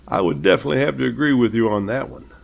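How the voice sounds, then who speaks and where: An actor playing a friendly, polite captain in an audio drama, plain-spoken and given to reminiscing. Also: male voice, mid-range voice, fast, creaky. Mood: friendly, nostalgic.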